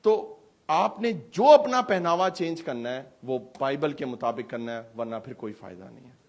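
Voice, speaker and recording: A man preaching a sermon to a church hall congregation, animated and full of rhetorical questions. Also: mid-range voice. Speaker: pastor.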